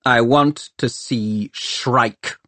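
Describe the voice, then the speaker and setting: A man's voice: mid-range voice, sing-song, slow pace, fairly bright tone, dry recording, voice pushed up, full character voice. A man voicing a scheming male city ruler who speaks in a clipped, commanding way. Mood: cold command.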